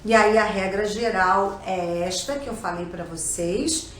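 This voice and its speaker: A woman's voice: medium pitch, measured pace, fairly bright tone, a little hiss or hum. A woman with a Brazilian Portuguese accent teaching a lesson, explaining step by step and often checking in with her listeners. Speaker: language teacher. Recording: echoey room.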